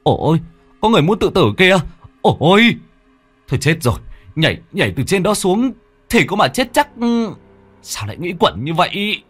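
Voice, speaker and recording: A man voicing a bystander in a crowd, shouting in a high, shrill voice. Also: very animated, moderate pace, husky, soft background music, full character voice. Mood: alarmed.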